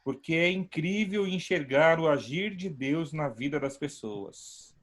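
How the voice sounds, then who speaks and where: A man's voice: on the high side, lively intonation, a little slow, fairly bright tone. A man, a pastor hosting an online service from home, speaking emphatically and praising God. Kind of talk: warm preaching talk.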